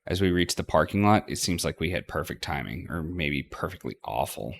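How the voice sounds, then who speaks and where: A man's voice: rumbling low, lively intonation, fairly quick, creaky, slight background noise. A man hosting a let's play, reading visual novel narration aloud and now and then stumbling over words.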